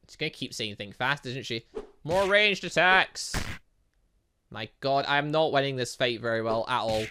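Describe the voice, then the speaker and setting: Reading game text aloud and muttering asides, a man gives excitable, exclamatory let's play commentary as a gaming video host. His mid-range voice moves at normal speed, with slight background noise.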